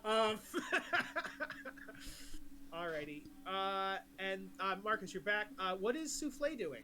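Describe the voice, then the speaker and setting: A woman game master narrates a tabletop session with frequent giggles and hesitant fillers. Her pitch sits mid-range, and a steady hiss of line noise runs behind her. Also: takes it slowly. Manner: giggly, hesitant, full of ums. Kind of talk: running a tabletop game over voice chat.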